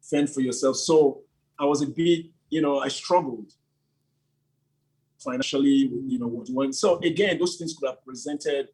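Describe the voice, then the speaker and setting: A man's voice: medium pitch, normal speed, darkish tone, poor audio. A middle-aged man, a church leader, telling his story with enthusiasm, sprinkling in "you know" and frequent laughs. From Nigeria. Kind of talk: animated interview answers.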